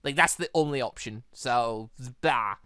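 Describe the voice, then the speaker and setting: A gaming host giving casual, rambling commentary in an excitable, conversational way. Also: medium pitch, unhurried, smooth, no echo, clean studio sound.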